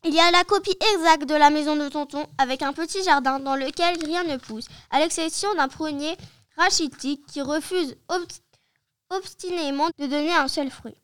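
A woman reads a children's story aloud in a lively, expressive storybook manner. Her voice sits fairly high and carries the first-person narration with animation. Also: normal speed, dry recording, studio quality.

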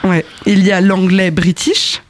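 A man's voice: high voice, level tone, measured pace, background noise. A man hosting an explainer video, playful and wry, laughing often. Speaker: host.

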